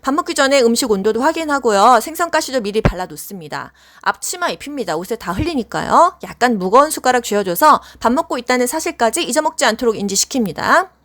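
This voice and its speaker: A woman's voice: a little high, sing-song, fast, hardly any pauses, fairly bright tone. A woman giving a casual spoken exam-prep lecture, chatty, asking questions and answering them herself. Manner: chatty, asks and answers her own questions.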